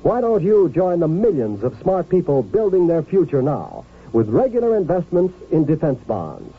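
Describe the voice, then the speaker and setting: Animated, tinny vintage radio pitchman. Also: normal speed, breathy edge. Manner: emphatic, folksy salesmanship. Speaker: radio announcer. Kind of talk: 1950s radio advertisement read. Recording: tinny, narrow-band 1950s radio recording.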